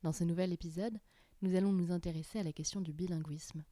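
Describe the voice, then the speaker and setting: Mellow low woman, dry podcast host. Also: steady tone, fast talker, no room sound. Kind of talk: scripted intro and interview questions. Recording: dry close studio sound.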